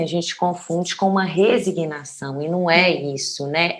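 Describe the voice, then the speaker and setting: A woman from Brazil talks through her thoughts in a relaxed podcast chat. She speaks reflectively and keeps checking in with small tag questions as she goes. Her tone stays conversational and searching. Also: fairly low pitch. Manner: thoughtful, searching for words, many "né?" tags. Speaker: podcast co-host.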